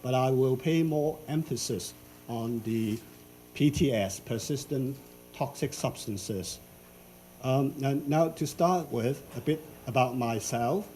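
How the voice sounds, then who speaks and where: An older man from Hong Kong giving an academic symposium talk in a lecture hall, unhurried, with frequent fillers and restarts. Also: medium pitch, dark tone, slight background noise.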